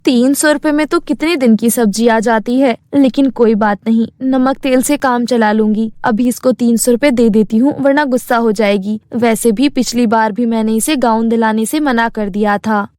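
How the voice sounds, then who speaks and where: Woman as a patient, high-voiced worried elder sister. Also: steady tone, moderate pace, hardly any pauses, a little mellow, no room sound, clean studio sound, lightly acted. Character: patient, worried poor elder sister, caring and self-sacrificing.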